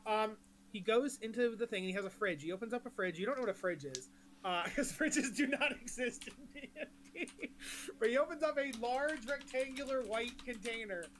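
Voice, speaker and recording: A woman's voice: a little high, expressive, fairly quick, slight background noise. A woman running a tabletop game as game master, giggling often and hesitating with lots of ums.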